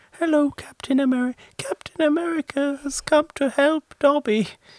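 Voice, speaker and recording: Someone does a put-on character voice at a high pitch and a moderate pace. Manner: eager, cheerful.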